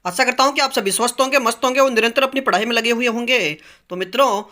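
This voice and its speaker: A man's voice: extremely high pitch, fast talker, pushed and bright. A man teaching as he runs a grammar quiz, reading each question and its options, then explaining the answer patiently.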